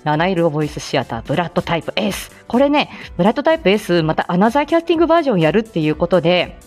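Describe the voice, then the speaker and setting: A woman's voice: lowish voice, sing-song, rapid-fire, a little mellow, faint music behind. A woman hosting a live stream in a casual, chatty way, often laughing between phrases. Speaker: livestream host.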